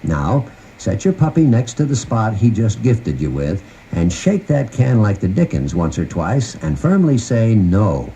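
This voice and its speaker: A mellow, warm-voiced man narrates an instructional guide in a folksy, conversational way. His delivery is lively and varied in pitch, as if chatting with the listener. It comes from a 1990 cassette tape with faint noise underneath. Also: low-quality recording. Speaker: host of a puppy training guide tape.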